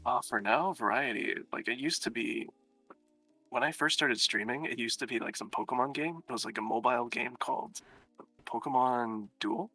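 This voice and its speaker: An easygoing young American man talks as a guest, his mid-pitched voice bright and forward. His joking, laid-back manner sits over faint music. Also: moderate pace, slightly rough, poor audio. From United States. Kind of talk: casual chat.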